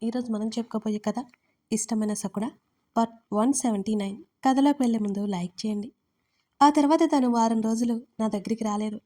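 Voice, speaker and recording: A woman host reading a serialized story aloud in a steady, even way. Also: a little high. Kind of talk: scripted audiobook narration.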